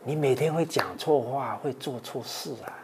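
A man, a Buddhist monk, giving a dharma talk with many drawn-out "ah" and "oh" fillers, earnest and exhorting. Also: mid-range voice, background noise.

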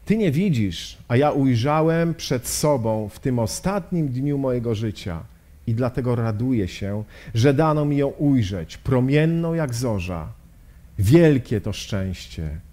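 A man reading aloud the lines of a defiant middle-aged revolutionary leader who mocks heaven, slow and dramatic within a sermon. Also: mid-range voice, animated, dark tone, close to an everyday voice. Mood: solemn. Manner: scornful, challenging heaven.

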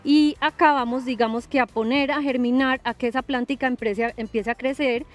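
Young woman, TV host, outdoor garden set, calm explanatory manner, fairly high voice, faint music. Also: brisk. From Colombia. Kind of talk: relaxed TV show conversation.

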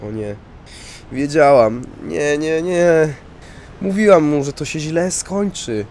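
A man's voice: medium pitch, expressive, moderate pace, darkish tone, a little hiss or hum, natural voice. A man voicing a worried middle-aged widow, anxious and distressed.

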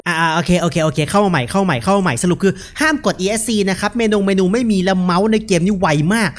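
A young man gives casual, joking horror game commentary, relaxed and unafraid, speaking into a headset mic. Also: high-pitched, quick pace. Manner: laid-back, joking, unafraid. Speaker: gaming video host.

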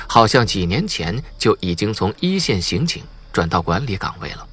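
A male narrator reads a crime audiobook in a somewhat low, husky voice. His delivery is scripted storytelling, with lively swings in intonation. Music plays behind him.

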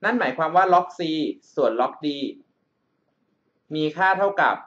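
The muffled recording carries a man's high, fairly bright voice at a normal speed as he narrates an exam problem over a screen recording. Calling himself by a big-brother nickname, this math tutor regularly checks that the student is keeping up.

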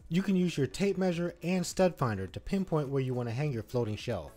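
A man's voice: on the high side, lively intonation, brisk, a little mellow, faint music behind. A man, co-host of a home-improvement channel, giving a scripted step-by-step voice-over on installing a shelf. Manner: instructive, step-by-step.

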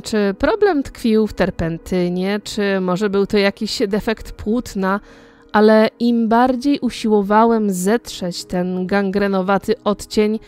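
Slow, measured woman narrator. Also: mid-range voice, clean tone. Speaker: audiobook narrator.

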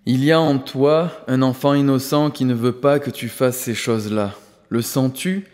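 A man's voice: mid-range voice, steady tone, moderate pace, darkish tone, close to an everyday voice. Serene guru, firm and solemn, read by a man in a long-echoing space. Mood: gentle. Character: calm commanding male spiritual master.

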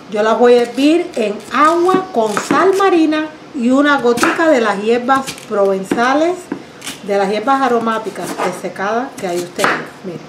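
A middle-aged woman with a Cuban accent talks viewers through a recipe in her home kitchen, her voice sitting high and light. She is chatty and homely, sprinkling in little diminutives. The room rings with an echo, and a faint hum sits underneath. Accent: Cuban Spanish. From Cuba. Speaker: cooking show host. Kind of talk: home cooking demonstration. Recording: roomy kitchen echo, faint background noise.

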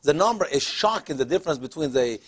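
A man speaks as a studio talk show guest, emphatic and pushing up into exclamations. His voice sits a little higher than most men's. His grammar is broken but he presses every point. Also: lively intonation, fast talker. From Egypt. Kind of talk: impassioned studio discussion.

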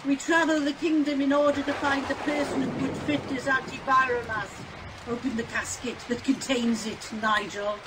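Woman playing a high-voiced pompous pantomime prince, noisy recording. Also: steady tone, moderate pace, natural voice. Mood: courteous. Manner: formal, grandly courteous. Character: polite, pompous young male pantomime prince. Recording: noisy home video-call recording.

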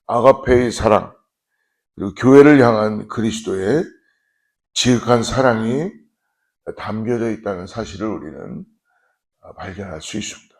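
A male pastor giving an early morning sermon, speaking slowly and measured with frequent pauses and fillers. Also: lowish voice, expressive, vocal fry, darkish tone. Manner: slow measured preaching with fillers.

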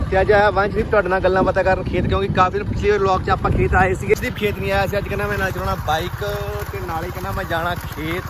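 A man from Punjab, India, chats with his viewers like friends as he vlogs from the farm fields. His voice sits a little high for a man. It comes from an outdoor phone recording, with wind and field noise clearly heard around him. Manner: chatty, talks straight to viewers as friends. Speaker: vlogger. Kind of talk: casual vlog chat. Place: outdoors in rural farm fields, on a motorbike and walking.

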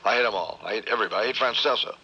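A male radio host with a cold and a hoarse voice, grumbling and ranting through morning banter. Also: fairly low pitch, racing, bright, forceful tone, muffled recording, a little hiss or hum.

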